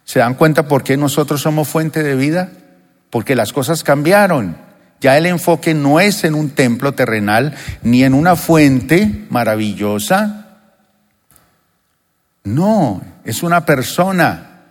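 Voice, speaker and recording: A man's voice: fairly high pitch, lively intonation, takes it slowly. A male pastor preaching with emphasis, asking his congregation question after question. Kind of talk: sermon. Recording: long reverb of a church hall.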